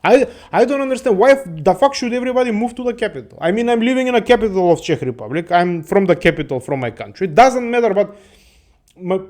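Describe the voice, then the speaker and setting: A man with a noticeably high voice talks off the cuff to his audience. His delivery is rambling and profane, broken up by chuckles and a constant "my friends.". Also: animated, fast talker, darkish tone. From Balkans. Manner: rambling, profane, laughs often, keeps saying "my friends". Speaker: host. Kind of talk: casual monologue to viewers.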